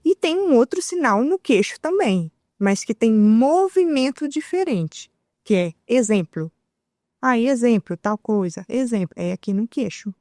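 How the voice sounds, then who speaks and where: A woman with a Brazilian Portuguese accent, a talk show guest, explaining lively and demonstrating examples as she talks. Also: on the high side, a little slow, dry recording, clean studio sound. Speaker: guest, sign language interpreter.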